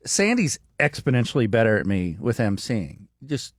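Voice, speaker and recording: A man's voice: fairly low pitch, wildly swooping pitch, normal speed, dry recording. A man co-hosting a morning radio show, with dry teasing humor and easy chuckles. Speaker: radio co-host. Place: radio studio. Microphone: studio microphone.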